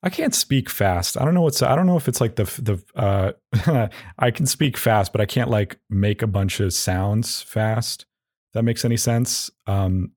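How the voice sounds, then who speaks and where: A man hosting a casual solo podcast, rambling with halting, self-deprecating phrasing and dry, goofy humor. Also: lowish voice, darkish tone, dry recording. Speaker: podcast host.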